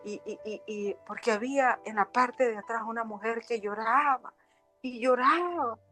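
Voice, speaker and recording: A woman's voice: a little high, moderate pace, over music. A middle-aged woman preaching a passionate, emotional sermon, acting out the people in her story.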